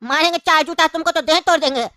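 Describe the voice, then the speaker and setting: A woman's voice: sits high, fast, no room sound. A woman voicing a stern, mocking male village judge in a cartoon, with a Bhojpuri-tinged accent, scolding and threatening. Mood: sarcastic. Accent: Bhojpuri-tinged Hindi. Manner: scolding, sarcastic, shouting threats.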